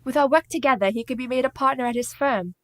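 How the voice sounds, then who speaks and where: A woman's voice: sits high, no echo, natural voice. A woman as earnest, sensible young Mina. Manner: measured, earnest, wry. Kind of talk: stage radio play acting.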